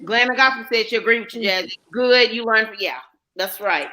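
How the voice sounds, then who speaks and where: A woman's voice: fairly high pitch, fairly quick, pushed and bright, low-quality recording. A woman with a Southern US accent from North Carolina, hosting a casual live chat and reading out viewer comments. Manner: chatty, reads viewer comments aloud. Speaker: livestream host.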